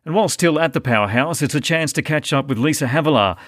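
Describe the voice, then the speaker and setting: A man hosting a radio interview in a smooth, conversational presenter manner. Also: on the high side, expressive, fast talker, fairly bright tone, no echo, clean studio sound.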